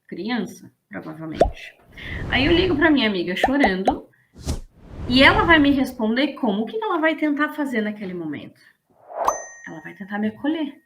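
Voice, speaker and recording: A woman teaching in a casual, lively and blunt way, often slipping into acted quotes. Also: on the high side, moderate pace, background noise. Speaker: business coach. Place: indoors, streaming to an online audience.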